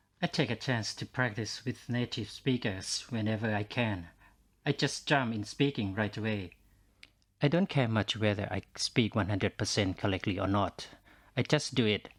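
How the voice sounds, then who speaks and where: At a fairly low pitch, a man speaks at a moderate pace. The recording is very clean and the background silent. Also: ordinary pitch variation. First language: not English. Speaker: student. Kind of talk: scripted dialogue.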